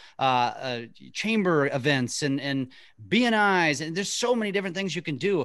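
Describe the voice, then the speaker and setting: A man's pitch swings very widely as he talks. The background is quiet. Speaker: podcast host. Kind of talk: podcast interview hosting. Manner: upbeat. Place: home room. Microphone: studio mic.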